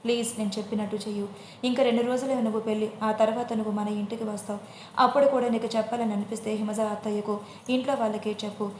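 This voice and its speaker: A woman voicing a gentle young man who softly pleads and reassures his bride-to-be in an audio story. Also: mid-range voice, steady tone, fast talker, echoey room, a little hiss or hum, natural voice. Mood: pleading.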